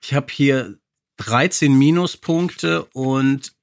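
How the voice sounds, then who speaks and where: A man's voice: medium pitch, slow pace, gravelly, no room sound. A man hosting a podcast in casual chat, with an amused, self-deprecating manner. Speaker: podcast host.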